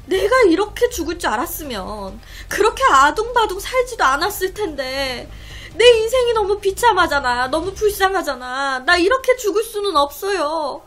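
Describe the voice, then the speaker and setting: A woman's voice: very high-pitched, very animated, normal speed, fairly bright tone, exaggerated voice. A woman voicing a frightened old grandmother who pleads tearfully not to die. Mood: pleading tearful.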